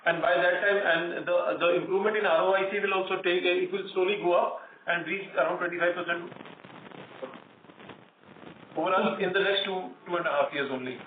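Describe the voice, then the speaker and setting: A man with an Indian accent, a company executive answering investor questions on a conference call in a halting way, often repeating words. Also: sits high, steady tone. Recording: tinny phone line, roomy echo, distant, noisy.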